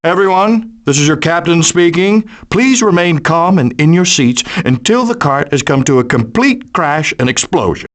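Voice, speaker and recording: A hammy middle-aged possum father from a cartoon game, played by a man. His voice is high and swoops widely as he declaims everything with pompous, theatrical flourish. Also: expressive, normal speed, hardly any pauses, close to an everyday voice. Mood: pompous, grandiose. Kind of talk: animated video game voice acting.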